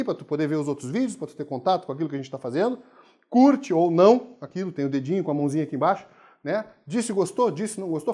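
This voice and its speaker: A man's voice: sits high, mellow. A man teaching a video writing lesson. He talks emphatically and keeps asking rhetorical questions and answering them himself.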